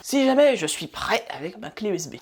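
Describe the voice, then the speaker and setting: A young man talks through a hands-on tech session at his home desk in a loose, casual vlog style. He mutters half to himself, swears offhandedly and chuckles as things go wrong. His voice sits fairly high for a man. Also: sing-song, a little fast, husky. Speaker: tech vlogger.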